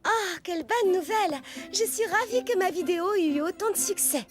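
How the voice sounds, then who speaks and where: A woman's voice: extremely high pitch, lively intonation, normal speed. A woman playing a gracious, proud, bookish character in a children's cartoon dub, speaking in a formal, effusive manner. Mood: pleased, earnest. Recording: music playing behind the voice.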